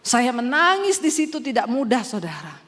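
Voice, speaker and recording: A woman's voice: a little high, sing-song, normal speed, a bit bright. A woman pastor giving a spoken testimony in a sermon, telling her story with strong feeling and acting out the words of others. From Indonesia. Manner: emotional storytelling, acts out her parents' quoted lines. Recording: long hall reverb.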